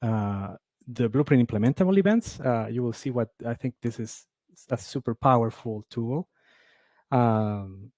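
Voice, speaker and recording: A man's voice: medium pitch, lively intonation, measured pace, a little mellow, dry recording. A man from Ecuador giving a conference talk on game audio, speaking with many fillers and restarts.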